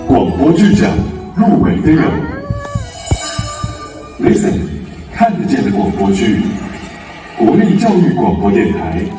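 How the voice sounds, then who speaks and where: Far off in a very echoey hall, a male announcer reads out formal ceremony lines. His Taiwanese Mandarin delivery swings widely in pitch, with music playing behind. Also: huge pitch swings, unhurried, pauses often.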